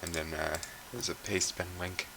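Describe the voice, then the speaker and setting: A man with a raspy voice giving rambling, unscripted commentary, swearing freely and trailing off with fillers. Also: low-pitched, level tone, moderate pace, bright, forceful tone, a little hiss or hum. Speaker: commentary YouTuber.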